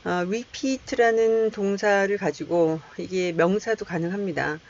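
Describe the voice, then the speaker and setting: A woman's voice: medium pitch, takes it slowly, a little mellow, highs cut off, a little hiss or hum. A woman teaching an English test-prep lecture, explaining step by step and putting questions to the class before answering them herself. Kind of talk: recorded lecture.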